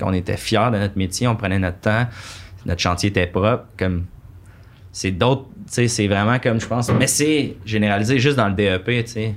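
This man has a plain, everyday voice, fairly low in pitch. He speaks at a moderate pace with ordinary pitch variation. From Quebec, Deux-Montagnes / Saint-Eustache. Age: 30s. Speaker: comedian and former construction worker. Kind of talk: casual chat.

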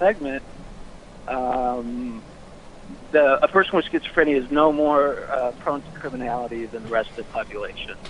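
At a moderate pace and medium pitch, a man talks with ordinary pitch variation while noticeable background noise runs underneath. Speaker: therapist and author. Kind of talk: radio interview.

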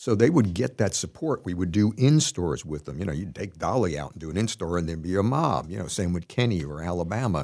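In an American accent, a man with a very deep, low pitch speaks very fast with hardly any pauses, lively intonation and big swings in loudness, on a very clean recording with a silent background. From New York. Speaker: music industry executive. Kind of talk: interview.

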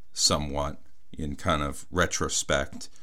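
A very slow, bright and sharp man's voice with vocal fry and an American accent. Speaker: wrestling podcast host. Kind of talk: solo podcast commentary.

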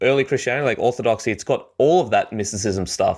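A man speaks in an Australian accent with lively intonation. The recording is very clean, the background silent.

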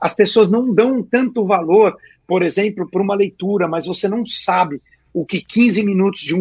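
The sound is dry and close with no echo. A man with a high pitch speaks at a fairly slow pace with ordinary pitch variation. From Brazil. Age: 50s. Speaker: motivational speaker. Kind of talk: interview.

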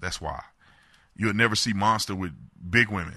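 Over a quiet background, a man with a fairly low pitch talks in an animated tone. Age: 30s. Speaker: radio talk show host, former police officer. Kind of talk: talk radio monologue.

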